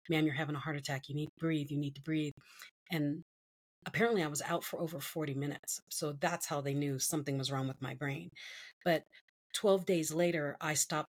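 A woman's voice: deep voice, breathy edge. A middle-aged woman telling her personal story as a guest in an interview, emotional and vivid, acting out what others said. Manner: emotional, storytelling with quoted voices.

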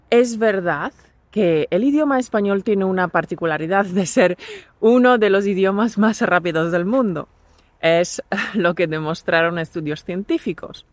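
A woman from talks through a prepared lesson at a close mic, calm and deliberate, and she cheers the listener on. The recording is dry, with no room sound around her voice. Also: medium pitch, dry recording. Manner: calm, clear and deliberate, encouraging. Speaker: Spanish teacher and podcast host. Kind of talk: scripted lesson narration.

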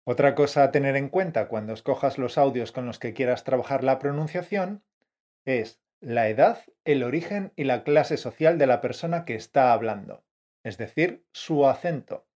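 A man co-hosting a scripted teaching podcast, brisk and coaching in tone. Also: medium pitch, a little mellow. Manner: brisk, coaching, calls listener "campeón" and "fiera". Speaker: podcast co-host, Spanish teacher.

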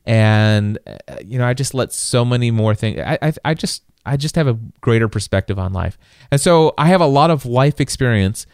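Guy in his 40s just chatting on a podcast, clear smooth voice, dry sound, kinda jokes at his own expense. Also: medium pitch, lively intonation, normal speed, dry recording. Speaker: podcast co-host. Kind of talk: casual married-couple chat.

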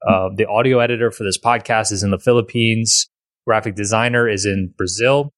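A man's voice: on the low side, fairly even intonation, fairly quick, fairly bright tone, no room sound, clean studio sound. A man hosting a podcast in casual conversation, rambling with frequent restarts and repeated words. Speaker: podcast host.

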